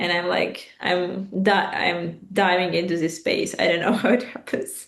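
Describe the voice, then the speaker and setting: A woman speaks slowly, fairly so, at a medium pitch with fairly even intonation. Audible room echo surrounds her voice. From Ukraine. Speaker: writer and filmmaker. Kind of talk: interview.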